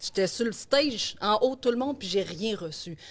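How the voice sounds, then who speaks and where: A woman's ordinary speaking voice, fairly high in pitch, with lively intonation. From Quebec, Rimouski. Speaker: rapper and dancer. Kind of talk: casual interview. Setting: live-streamed podcast studio.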